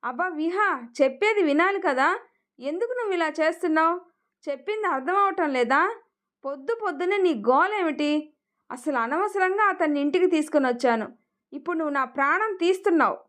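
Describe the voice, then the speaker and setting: A woman's voice: sits high, lively intonation. Woman voicing a weary, scolding young mother. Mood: angry scolding. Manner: scolding, rising fast and sharp.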